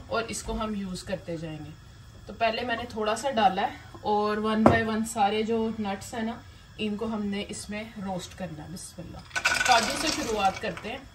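A woman hosting a cooking video in her home kitchen, chatting through each step as she cooks. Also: fairly high pitch. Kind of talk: casual cooking demonstration. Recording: distant mic with noisy kitchen background.

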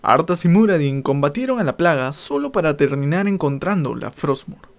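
High-pitched man narrating lore. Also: animated, moderate pace, slight background noise.

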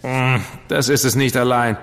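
An actor playing an ironic, theatrical dandy in a radio drama. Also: male voice, medium pitch, little pitch movement, normal speed, a bit bright, close to an everyday voice. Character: witty, theatrical male dandy, ironic and fastidious. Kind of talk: German radio drama acting. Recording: long reverb with music behind.

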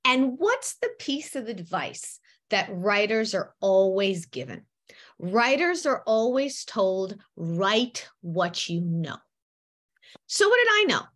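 A woman in her fifties, born in Ukraine and raised partly in the United States, telling stories in an animated way at an author talk, speaking from home on a video call. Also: mid-range voice, slow pace. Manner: animated, gestures a lot, acts out quotes. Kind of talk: lively storytelling talk. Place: home room with bookshelves. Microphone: webcam on a video call.

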